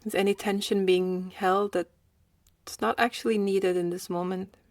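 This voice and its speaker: Woman guiding meditation, creaky close dry voice. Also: mid-range voice, level tone, no room sound. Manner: slow, gentle, with long pauses. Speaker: meditation guide. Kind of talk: guided meditation.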